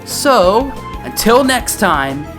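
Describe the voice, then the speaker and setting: Man with lively, swinging delivery over music. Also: high voice, extremely slow. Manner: informal, mildly sweary. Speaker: game review host. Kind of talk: casual video commentary.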